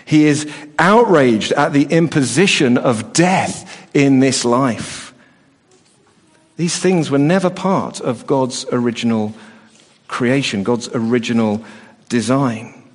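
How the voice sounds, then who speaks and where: A man's voice: mid-range voice, slow. A middle-aged man preaching a sermon, earnest, often restarting and repeating words as he talks. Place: church hall. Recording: long reverb of a hall.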